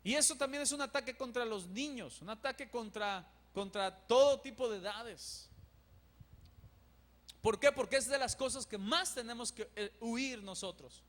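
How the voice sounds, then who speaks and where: A man preaching a sermon as pastor, animated and acting out dialogues. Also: extremely high pitch, normal speed. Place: church. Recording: long church reverb.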